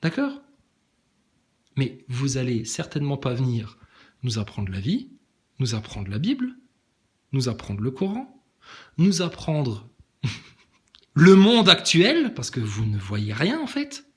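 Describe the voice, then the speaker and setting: A man's voice: mid-range voice, big pitch swings, slow, pauses often. A man speaks straight to camera in a confrontational monologue, sarcastic and emphatic. His voice sits in an ordinary middle register and keeps pressing his challenge. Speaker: online video maker answering critics.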